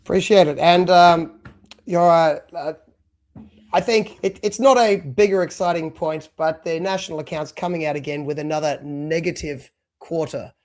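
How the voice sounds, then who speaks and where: A man's voice: on the high side, normal speed, darkish tone. A man co-hosting a live stream podcast, talking casually and rambling with lots of fillers. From abroad, moved to Australia at three. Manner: chatty, rambling with many fillers. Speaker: podcast co-host.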